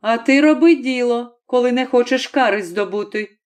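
A woman's voice: fairly high pitch, moderate pace, darkish tone, close to an everyday voice. A woman voicing a harsh, domineering landowner who barks curt orders in a storybook reading. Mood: angry.

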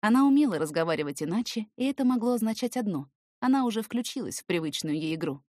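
A woman narrates a first-person audiobook story. Her voice sits at a medium pitch with expressive delivery, and the recording is dry, free of room echo. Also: quick pace.

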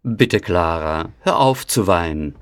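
A man voicing a kindly, mysterious old uncle who speaks gently and soothingly. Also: on the low side, big pitch swings, moderate pace, no echo, studio quality, pitched below the performer's own voice.

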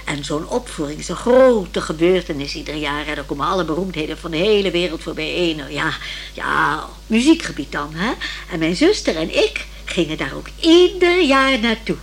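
An actress playing a fussy, excitable elderly lady who loves opera, flustered and chattering in a radio play. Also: low-pitched, normal speed, breathy edge, heavily acted. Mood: enthusiastic. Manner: flustered, stammering, chattering, insistent. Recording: slightly noisy old radio play recording.

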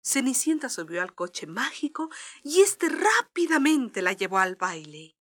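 Animated high-voiced woman storyteller. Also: a little slow. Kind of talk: scripted children's story narration.

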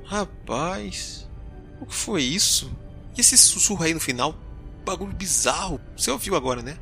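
An actor playing a jumpy space explorer who reacts with comic, expressive alarm. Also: male voice, on the high side, normal speed, soft background music. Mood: spooked.

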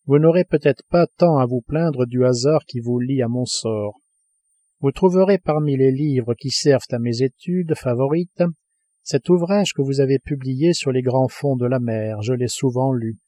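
A man reading the lines of a stern, cold male submarine commander in a grave, measured audiobook voice. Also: mid-range voice, mellow, no echo, close to an everyday voice.

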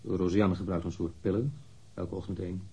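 An actor playing a blunt, candid man in his thirties, a witness answering police questions matter-of-factly in a husky voice in a radio drama. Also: low-pitched, fairly even intonation, a little fast, warm tone, full character voice. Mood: blunt, terse. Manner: matter-of-fact, precise, blunt. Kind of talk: radio drama interrogation acting.

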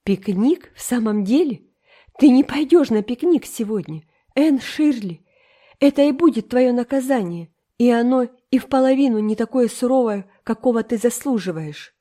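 A woman's voice: mid-range voice, normal speed, warm tone, natural voice. A woman doing a stern older spinster. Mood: scolding. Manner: firm, scolding, clipped.

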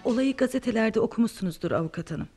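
A man's voice: high-pitched, lively intonation, very fast, over music. A man acting a distraught parent, anguished and urgent, in old-style radio theatre. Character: distraught parent of an accused son.

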